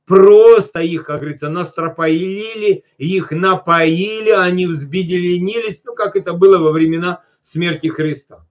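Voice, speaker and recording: A man preaches in a fairly high voice, captured on a lo-fi, dull-sounding recording. He lingers over scripture, turns often to address his listeners, and then speeds through everyday asides.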